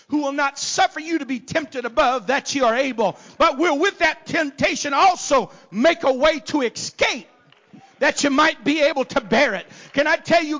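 A preacher, not from Texas, delivers a sermon in a very high, bright, forceful voice with a rising, rhythmic cadence. He swings between hushed, murmured asides and loud, shouted calls.

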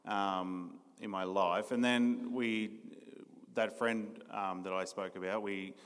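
A man's voice: fairly low pitch, steady tone, slow pace, fairly bright tone, clean tone. A young Australian man giving his personal testimony in a church interview, earnest, with many ums and restarts. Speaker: new church staff member being interviewed. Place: church hall. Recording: reverberant church hall.

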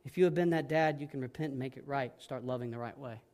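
A middle-aged pastor preaches earnestly in a mid-range voice at a quick pace. His delivery sways between gentle, hushed lines and emphatic ones.

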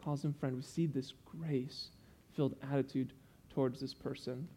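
A man's voice: medium pitch, fairly even intonation, normal speed, warm tone, slight background noise. A young man preaching a sermon, earnest and explanatory, stopping to teach with asides.

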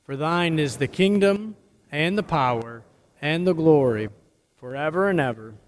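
A male pastor leading prayers and the communion liturgy in a measured, solemn cadence, his voice ringing with a cathedral-like echo in a church sanctuary. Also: fairly high pitch, lively intonation. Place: church sanctuary during a service. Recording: long church reverb.

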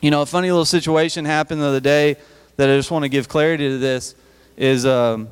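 A man's voice: on the high side, steady tone, fast, clear, resonant tone. Man preaching to youth in a reverberant hall. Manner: conversational, repeats words and restarts. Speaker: youth speaker. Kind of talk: youth service sermon. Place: church hall.

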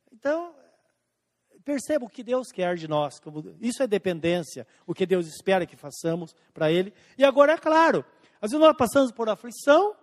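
A man preaching a sermon as pastor, slowing down and stretching out scripture quotes, swinging between emphatic and hushed lines. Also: sits high. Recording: long hall reverb.

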